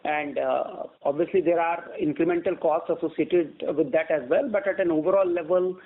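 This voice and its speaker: Over a narrow, tinny phone line, a male company executive answers questions on an earnings call. His voice sits a little high for a man. He explains in a measured but halting way, repeating words as he goes. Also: fairly even intonation.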